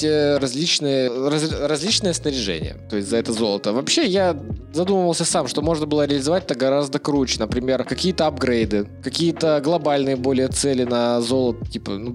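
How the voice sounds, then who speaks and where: Slangy male podcast host over music. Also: medium pitch. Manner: slangy, swearing, conversational. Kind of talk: casual video game review podcast. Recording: music under the voice. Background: background music.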